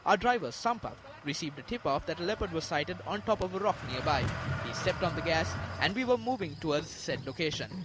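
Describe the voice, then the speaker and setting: A man's voice: on the high side, animated, fairly quick, noisy background. A man delivering scripted nature documentary narration as a news reporter.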